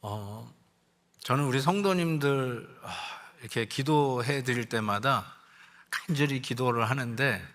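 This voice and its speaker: A man's voice: medium pitch, unhurried, a bit bright. Older male pastor telling an emotional story. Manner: emotional, conversational storytelling that acts out quoted lines; mixes in English words. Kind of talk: sermon with personal storytelling.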